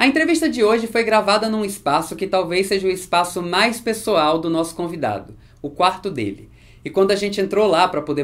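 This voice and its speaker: This man speaks with a Brazilian accent at a fairly quick pace. His pitch is high, with ordinary variation. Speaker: interviewer, video channel host. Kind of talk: casual interview conversation.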